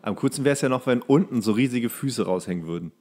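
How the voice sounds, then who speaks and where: A man talks in a medium-pitched voice. He is a podcast co-host, chatting loosely and informally as if with a friend. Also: lively intonation, fast talker, a little mellow. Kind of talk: casual banter between friends.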